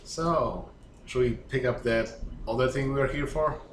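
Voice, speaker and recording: A man's voice: medium pitch, a little slow. A man playing a tabletop game, talking casually with the group about what to do. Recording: echoey room with faint background noise.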